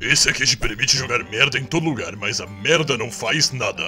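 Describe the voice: Over clear music in the background, a man in a put-on character voice talks at a fairly quick pace with medium pitch.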